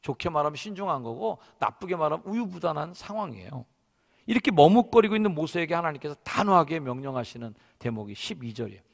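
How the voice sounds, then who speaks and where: A male senior pastor preaching a sermon in a church sanctuary, animated and acting out the voices in his stories. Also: a little high, quick pace, gravelly, long reverb tail.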